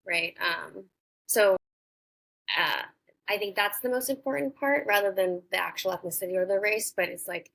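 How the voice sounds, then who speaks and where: Creaky-voiced woman, thoughtful podcast guest. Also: medium pitch, normal speed, fairly bright tone. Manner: thoughtful, many fillers and restarts. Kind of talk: casual interview conversation.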